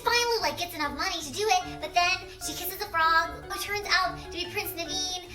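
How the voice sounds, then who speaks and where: High, squeaky helium-voiced woman, excitable storyteller. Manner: excitable, girlish storytelling full of "like". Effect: squeaky helium-altered voice. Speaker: video host. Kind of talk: casual, rambling movie retelling for a challenge video. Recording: echoey room.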